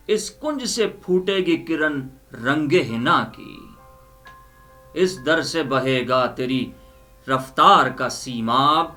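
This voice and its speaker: Bright, theatrical man reciting poetry over music. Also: fairly high pitch. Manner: theatrical, emphatic, repeats lines for effect. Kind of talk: dramatic Urdu poetry recitation with explanation. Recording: music under the voice.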